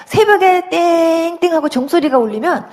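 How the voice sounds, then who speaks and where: A woman's voice: extremely high pitch, animated, normal speed, a little mellow. A middle-aged woman giving a personal Christian conversion testimony, telling her story vividly and with sound words.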